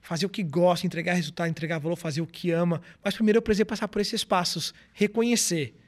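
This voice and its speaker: A man with a high voice talks quickly and earnestly as a podcast guest. He explains his points step by step, in the way of a motivational speaker. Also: fairly even intonation. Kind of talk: podcast interview, casual conversation.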